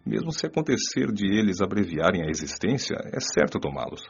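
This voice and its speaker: An actor playing a wise male spirit mentor, lecturing in a measured, solemn way in a radio drama. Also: fairly low pitch, sing-song, creaky, breathy edge, full character voice. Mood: calm. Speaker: mentor character. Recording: dull lo-fi audio with soft music.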